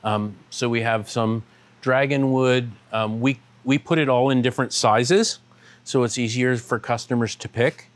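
A man's voice: mid-range voice, measured pace. A middle-aged man, a shop owner, giving a casual walking tour of his large indoor aquarium shop and warehouse, talking with lots of "um" fillers. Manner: relaxed, many "um" fillers, pointing at products as he walks.

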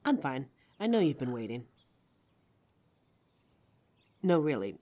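A woman playing a caring, protective bodyguard in an intimate roleplay audio drama, with a gentle, teasing manner. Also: rumbling low, big pitch swings, fairly quick, heavily acted. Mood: reassuring. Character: caring, flirtatious female bodyguard, protective and loyal.

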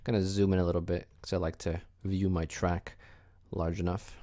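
Low-voiced man giving a casual software tutorial. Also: little pitch movement, normal speed. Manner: informal, step-by-step instructing. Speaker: tutorial host. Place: indoors, voice-over for screen recording.

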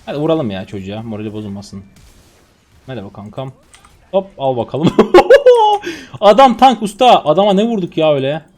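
A man in his twenties from Turkey, streaming a game and commenting on his play, swinging from low muttering to loud excited outbursts. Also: fast talker. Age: 20s. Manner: swings from muttering to shouting and laughing.

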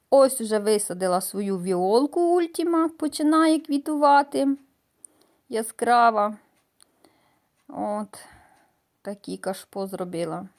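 A middle-aged woman from southern Ukraine talks in a chatty, homely way, stopping often for fillers and small hesitations. Her voice sits a little high for a woman. She sounds relaxed and conversational, like a casual vlog. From Mykolaiv region, Ukraine. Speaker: gardening vlogger. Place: outdoors in a village garden. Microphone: voice-over added after filming.

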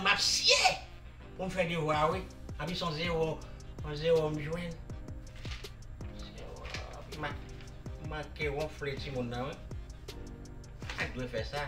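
An actor playing a blustering, excitable older uncle with a Haitian accent, ranting and repeating himself in a comedy sketch. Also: male voice, very high-pitched, full character voice. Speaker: comic lead. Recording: echoey room, distant mic, music behind.

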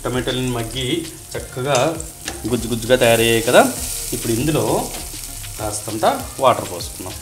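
A man's voice: medium pitch, fairly quick, long pauses. A man narrating a cooking recipe step by step, addressing viewers directly in an instructional way. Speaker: host of a cooking channel.

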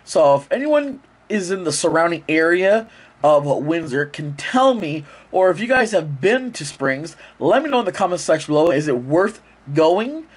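Congested with a cold, this male vlogger talks in a fairly high, sing-song, slightly rough voice at a moderate pace. Chatty and full of fillers, he rambles to the action camera in his outstretched hand, going from bedroom to street to shop.

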